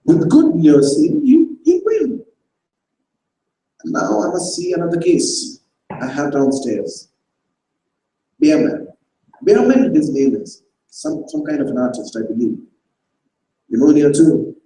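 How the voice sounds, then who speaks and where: A man playing a brisk middle-aged doctor giving a measured, matter-of-fact bedside report in a stage reading. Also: fairly high pitch, huge pitch swings, dark tone, roomy sound, a little hiss or hum, heavily acted, poor audio. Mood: grave.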